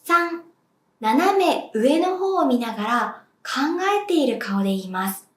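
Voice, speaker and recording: Woman teacher going slow and clear, high voice, kinda echoey room. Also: expressive. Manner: clear, deliberate, demonstrates sounds for the viewer to repeat. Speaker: Japanese language teacher. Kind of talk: slow, clear pronunciation lesson.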